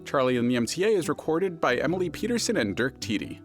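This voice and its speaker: Lively man reading credits over music. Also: fairly high pitch, fast. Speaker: credits announcer. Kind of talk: scripted credits read.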